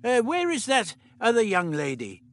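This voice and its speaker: A man reading an audiobook puts on a fussy, absent-minded old doctor with a raised, lively voice. He stammers, fusses and hurries people along in an old-fashioned way. His voice swings all over in pitch. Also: moderate pace, vocal fry, full character voice.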